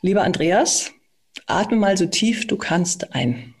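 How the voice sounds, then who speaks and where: A speaking and voice coach calmly explaining and demonstrating exercises in a conversation, with small hesitations. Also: mid-range voice, takes it slowly, vocal fry, slightly rough.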